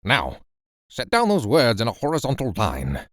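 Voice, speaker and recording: A man voicing a stern, excitable old male professor, brusque and commanding in an audiobook reading. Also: mid-range voice, moderate pace, no room sound, clean studio sound.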